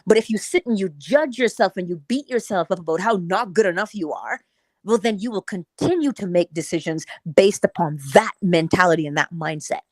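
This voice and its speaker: A woman's voice: on the low side, expressive, a little fast, a little mellow, no echo. A woman from Barbados, co-hosting a casual chat and giving earnest, preachy advice about self-discipline. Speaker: co-host.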